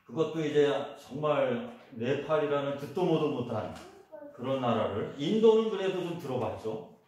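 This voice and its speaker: A man's voice: mid-range voice, lively intonation, moderate pace, darkish tone. A man preaching a sermon as a pastor, telling a personal story and leading the congregation in repetition. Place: church. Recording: echoey church hall, voice from a distance.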